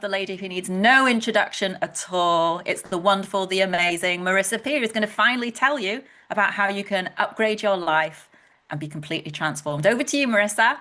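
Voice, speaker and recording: A woman's voice: medium pitch, bright, forceful tone. A woman from Wales hosting a live online webinar, chatty and enthusiastic, welcoming viewers and reading out their messages. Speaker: webinar host, head of publicity.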